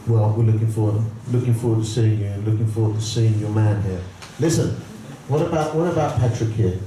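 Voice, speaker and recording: A man's voice: lowish voice, a little fast, mellow, a little hiss or hum. A man hosting a boxing press conference, chatty and promotional, putting questions to the fighters. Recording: echoey room, distant mic.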